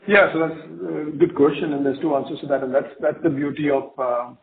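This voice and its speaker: A man's voice: on the high side, steady tone, fairly quick, creaky, a crowd in the background. Male company executive, confident and emphatic, spontaneous Q&A delivery over a narrow telephone conference line. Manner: confident, emphatic, often ends phrases with "right?". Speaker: company executive answering analyst questions. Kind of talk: earnings call Q&A, spontaneous business talk.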